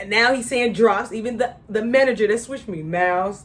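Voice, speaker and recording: Fairly quickly and in a medium pitch, a woman speaks through noticeable background noise. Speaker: truck driver vlogger. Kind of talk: casual vlog monologue.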